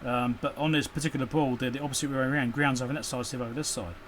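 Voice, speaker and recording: A man's voice: mid-range voice, steady tone, rapid-fire, a bit bright, slight background noise. A man giving an off-the-cuff, casual running commentary as he does hands-on work, with muttered asides. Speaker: electronics repair channel host. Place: indoor electronics workbench.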